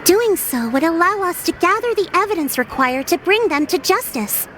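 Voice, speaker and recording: A woman playing a composed, courteous female tribal chief in a video game, speaking in a formal, measured way. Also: very high voice, animated, a bit bright, slight background noise. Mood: grave, explaining. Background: music.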